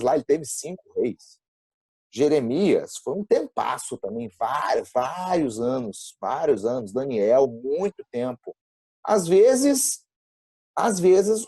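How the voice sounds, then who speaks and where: A man's voice: fairly high pitch, dark tone, slightly rough, dry recording. A young Brazilian man teaching a Sunday school lesson to teenagers, explaining step by step and checking in with the class. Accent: Brazilian Portuguese. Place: church classroom.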